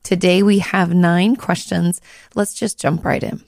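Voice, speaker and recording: Slightly hoarse woman with gravelly fry. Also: lowish voice, fairly even intonation, measured pace, darkish tone, dry recording, clean studio sound. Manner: chatty, hedging with likes and restarts. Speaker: podcast host, therapist. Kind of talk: casual solo podcast.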